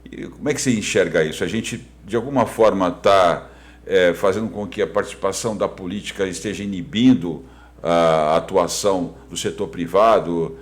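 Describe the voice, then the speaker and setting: Deep-voiced Brazilian man hosting an interview. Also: moderate pace. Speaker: interview host. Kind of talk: conversational interviewing.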